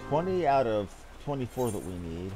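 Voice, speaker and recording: A man's voice: mid-range voice, very animated, moderate pace, low-quality recording. Casual male game streamer, blunt and offhand, salty commentary over game music. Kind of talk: casual live commentary while playing.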